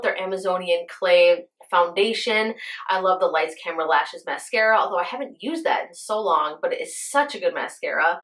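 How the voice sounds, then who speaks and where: A woman's voice: fairly low pitch, a bit bright. A woman in her early thirties, a beauty vlogger chatting casually and gushing to her viewers, full of fillers. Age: 30s. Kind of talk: casual chat.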